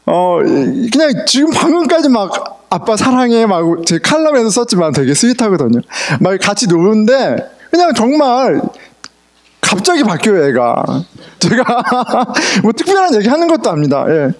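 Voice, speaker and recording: A man's voice: high voice, big pitch swings, normal speed. A middle-aged man preaching a sermon as pastor, conversational, asking his congregation questions and mixing in English words. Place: church sanctuary.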